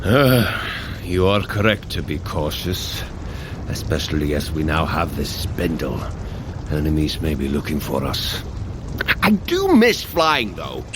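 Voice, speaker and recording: An actor playing an earnest, brotherly warrior god with formal heroic phrasing in an audio adventure drama. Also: male voice, very deep voice, wildly swooping pitch, a little slow, background noise, full character voice. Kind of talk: audio drama acting for a running app.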